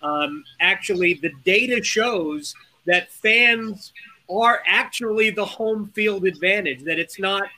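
Chatty podcast host guy, high bright voice, lots of uhs. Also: slow pace, rough recording. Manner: conversational, lots of fillers. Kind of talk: casual podcast chat.

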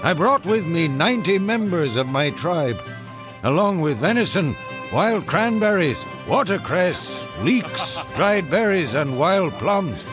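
An actor playing a dignified Native American chief who fondly recounts the past in measured, solemn radio drama narration. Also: male voice, high voice, big pitch swings, exaggerated voice. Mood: warm, proud. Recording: music behind the voice. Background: clear music.

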